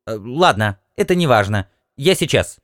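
A man voicing a curt, fussy alien housewife with a sharp metallic voice, in an audiobook reading. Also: medium pitch, sing-song, normal speed, no echo, studio quality, natural voice. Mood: brisk. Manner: snappish, dismissive.

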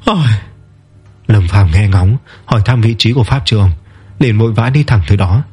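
Low husky male storyteller. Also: fairly quick, warm tone. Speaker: narrator. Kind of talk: scripted story narration.

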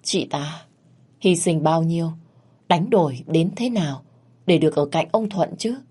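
A woman reading a scripted narration of a ghost story in a steady, measured way. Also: sits low, husky.

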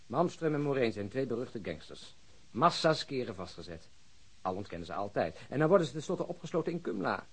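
An actor playing a sceptical police detective with dry, sardonic remarks in a radio play. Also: male voice, medium pitch, very animated, brisk, breathy edge. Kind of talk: Dutch radio drama acting.

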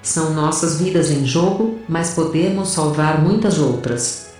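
A woman's voice: low voice, unhurried, a little mellow, soft background music. An actress playing a defiant, foul-mouthed female rebel soldier, brash and insistent, in an audio drama. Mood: defiant, urgent. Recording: very echoey, slightly distant.

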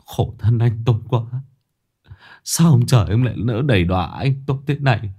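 A man's voice: mid-range voice, animated, normal speed, warm tone, slightly rough. A man voicing an anguished brother in a spoken ghost story, lamenting in a choked voice. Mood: choked grief. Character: anguished younger brother mourning his comatose brother.

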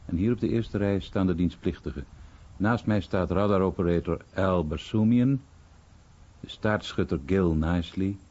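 Deep-voiced man reading voice-over. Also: dark tone, breathy edge. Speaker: documentary voice-over. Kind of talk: scripted translated narration. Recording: dull, muffled broadcast recording.

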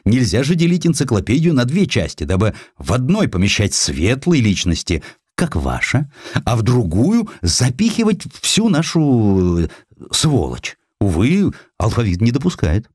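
A man's voice: mid-range voice, wildly swooping pitch, a little slow, a little mellow, slightly rough, dry recording, studio quality, voice pushed up, exaggerated voice. Man playing an anxious, bewildered editor. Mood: helpless. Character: helpless, anxious, bewildered encyclopedia editor, a gentleman.

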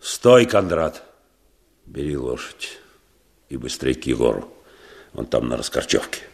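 An actor playing a stern, bitter old village patriarch in a radio drama, curt and commanding. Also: male voice, extremely low pitch, sing-song, a little slow, creaky, exaggerated voice. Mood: angry, commanding. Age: older.

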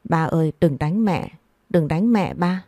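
A woman's voice: fairly low pitch, lively intonation, a little slow, warm tone, no room sound, clean studio sound. A woman voicing a frightened little boy pleading through tears. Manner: pleading, tearful.

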